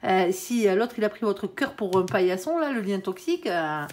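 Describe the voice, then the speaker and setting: A woman's voice: mid-range voice, animated, moderate pace, darkish tone, slight background noise. A woman doing a casual tarot card reading, chatty and peppered with "hein", talking straight to her viewers. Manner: addresses viewers and her angel directly. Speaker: tarot reader.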